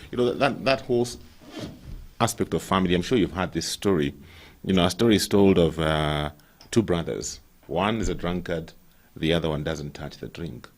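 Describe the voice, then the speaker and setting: A man with a Kenyan accent hosting a talk show, telling stories and asking questions in a lively way. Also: sits low, moderate pace. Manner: animated storyteller who poses questions. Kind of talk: casual talk-show discussion.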